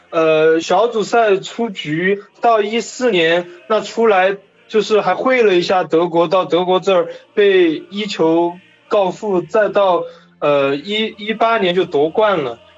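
A man's high-pitched voice at a very slow pace, with ordinary pitch variation and music in the background. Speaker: football fan. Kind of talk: casual interview chat.

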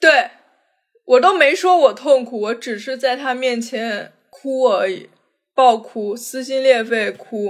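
A woman with a high pitch speaks at a very slow pace, showing ordinary pitch variation and big swings in loudness. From Fujian, China. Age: 20s. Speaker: doctoral student. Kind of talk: personal interview.

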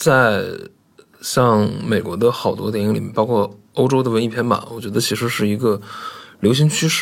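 An unremarkable speaking voice at a moderate pace. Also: man. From Dalian, northeast China. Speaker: film director. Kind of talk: casual chat.

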